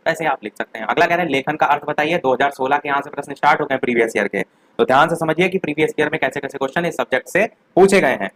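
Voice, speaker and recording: A young man talks through an exam revision lecture. His voice sits a little high, and he leads the class step by step, asking questions and then answering them himself. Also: rough recording. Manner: explains step by step with rhetorical questions. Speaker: teacher.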